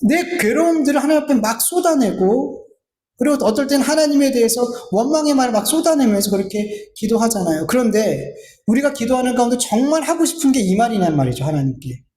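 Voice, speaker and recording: An earnest male pastor preaching a Sunday sermon with a high, mellow voice. He now and then lifts his voice to act out pleading prayers. The sound carries the echo of a church room with faint ambience behind. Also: lively intonation, a little fast, a little hiss or hum. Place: church sanctuary.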